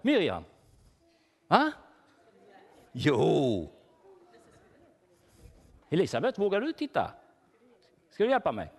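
A worried shepherd, as a man plays him in a church, asks the children one question after another and calls out names. His voice sits high for a man and swoops up and down with plenty of animation. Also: huge pitch swings, gravelly, long pauses, a little mellow, breathy edge, full character voice. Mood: searching, playful. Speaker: children's talk leader. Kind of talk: playful role-play for children.

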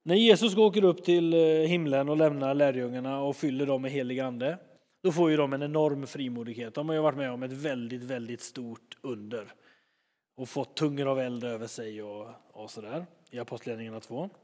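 A man preaching a sermon in a lively, chatty way, retelling stories and acting out scenes. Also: mid-range voice, in a large hall. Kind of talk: sermon, storytelling.

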